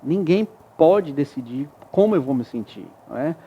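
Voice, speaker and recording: A man's voice: a little high, expressive, normal speed, slightly rough, muffled recording. A man as a studio interview guest, explaining ideas patiently with examples and frequent tag questions. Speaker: guest expert.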